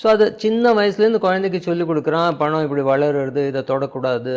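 Fairly high for a man, his voice has lively intonation and is an ordinary speaking voice. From Mumbai, Matunga (Tamil community). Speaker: financial planning author and educator. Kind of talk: interview conversation.

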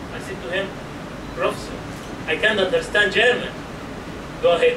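Noticeable background noise behind a fairly quick delivery. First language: Arabic. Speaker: Wikipedia volunteer presenter. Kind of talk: conference presentation. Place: hall. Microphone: camera far.

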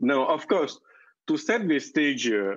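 The background is quiet as a man talks. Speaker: webinar host, moderator. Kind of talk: moderated webinar introduction. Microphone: video call.

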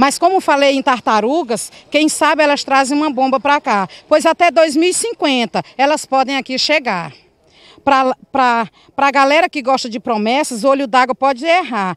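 A woman speaks in an animated tone with a high pitch and lively intonation, her voice dry with no echo against a quiet background. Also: moderate pace. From Maranhão, Brazil. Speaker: resident and amateur poet. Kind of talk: rhymed spoken-word poem, protest verse read aloud in rhythmic couplets. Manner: animated, rhythmic, sarcastic and indignant, punchy rhymed delivery. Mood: indignant, mocking. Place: street. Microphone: handheld.

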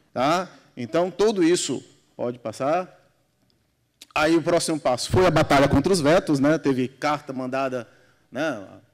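A man's fairly high-pitched voice at a fairly slow pace, with ordinary pitch variation, long and frequent pauses, and a quiet background. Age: 40s. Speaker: university technology transfer coordinator; conference presenter. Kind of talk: conference talk. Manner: halting, many fillers. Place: hall. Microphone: podium.

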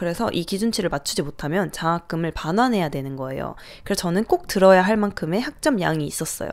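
Against a quiet background, a woman talks at a very fast pace. Her tone is animated and her intonation lively. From South Korea. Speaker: vlogger. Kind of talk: casual storytelling to camera; casual vlog chat. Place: home room. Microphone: handheld.

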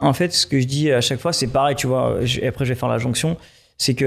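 Speaking very fast, a man uses ordinary pitch variation and shows vocal fry. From Paris suburbs, France; France. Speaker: entrepreneur and investor; guest. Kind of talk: interview. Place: studio. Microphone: studio mic.

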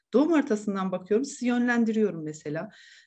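A woman's fairly high, dark, mellow voice against a quiet background. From Turkey, Ankara. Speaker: reiki and spiritual trainer; course instructor. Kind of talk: online lecture. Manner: halting, many filler sounds. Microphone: webcam.

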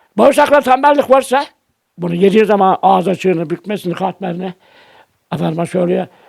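This man's high-pitched voice moves at a fairly quick pace, captured with a dry, close sound and no echo. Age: 80s+. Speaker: poppy seed paste and oil maker. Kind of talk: interview answer.

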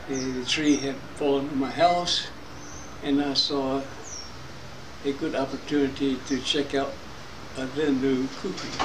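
Pausing long and often, a man speaks at a fairly slow pace with noticeable background noise behind him. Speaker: kukri enthusiast. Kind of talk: casual talk to camera. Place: garden. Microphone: camera far.

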